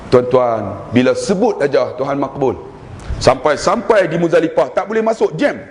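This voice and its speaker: A man with a Malaysian Malay accent preaching a sermon, telling stories with humor and chanting prayers in a drawn-out way. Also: fairly high pitch, animated, slight background noise. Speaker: religious preacher. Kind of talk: sermon storytelling. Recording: long hall reverb.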